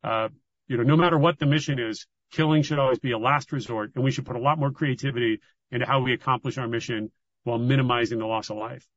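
A man's voice: medium pitch, steady tone, fast talker, no echo. A man speaking as a company executive, explaining his views earnestly and with careful qualifications. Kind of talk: earnings call remarks, explanatory. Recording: dull, dry conference-call audio.

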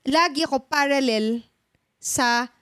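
A woman's voice: high voice, slow, fairly bright tone, clear, resonant tone, no echo, clean studio sound. A young woman with a Filipino accent, telling a story in casual chat and mixing in English words.

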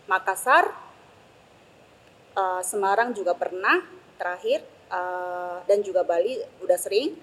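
A middle-aged Korean woman, a foreigner speaking fluent but hesitant Indonesian with a Korean accent as an interview guest, often pausing to find words. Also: medium pitch, expressive, a bit bright, long reverb tail, low-quality recording. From South Korea. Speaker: interview guest, embassy senior researcher. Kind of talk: conversational interview answers.

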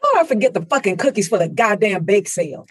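A woman playing a fiery, husky betrayed wife. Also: medium pitch, very animated, quick pace, no room sound. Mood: indignant. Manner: loud, profane and indignant. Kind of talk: comedy script table read.

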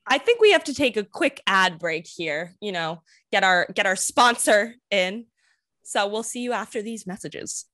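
A woman hosting a podcast in a relaxed, chatty way, laughing easily between lines. Her pitch moves around a lot. The sound is close and dry, with no room in it. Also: moderate pace, dry recording. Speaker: podcast host. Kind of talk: casual podcast chat.

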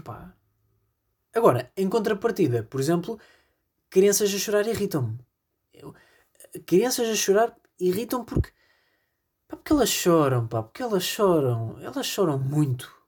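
A man's voice: a little high, darkish tone, husky. A man with a European Portuguese accent hosting a solo comedy podcast, rambling in a self-deprecating way with constant fillers. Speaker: podcast host.

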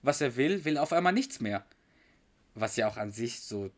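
A man co-hosts a casual podcast chat in a middle-pitched, ordinary voice. He retells scenes at length, slipping into quoted lines. He sometimes stalls and hunts for words. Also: expressive, normal speed. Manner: narrates scenes at length, quoting characters, with hesitations. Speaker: podcast co-host.

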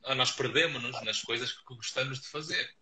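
A man from Portugal with a European Portuguese accent, speaking in a measured, thoughtful way on a casual live chat and reading out viewers' comments. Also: mid-range voice, bright, forceful tone. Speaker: psychologist co-hosting a live stream. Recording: dull lo-fi audio.

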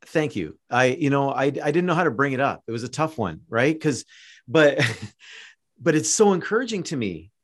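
A man's voice: mid-range voice, big pitch swings, moderate pace. A man with a Canadian accent hosting a podcast, talking casually and encouragingly to a guest, with many fillers and restarts. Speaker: podcast host. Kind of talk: casual interview chat.

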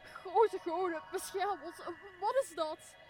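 A woman's voice: very high voice, takes it slowly, a little mellow, faint music behind. A young woman playing a weary, despairing noble leader in an audio drama. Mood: awestruck. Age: young adult. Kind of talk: Dutch audio drama of Shakespeare.

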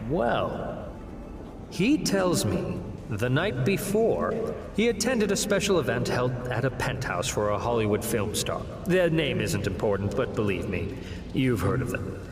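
An actor playing a smooth-talking demon who works as a defense lawyer, telling his story in a theatrical, wry way for an audio drama. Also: mid-range voice, big pitch swings, measured pace. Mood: wry, sardonic. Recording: reverberant hall, music underneath.

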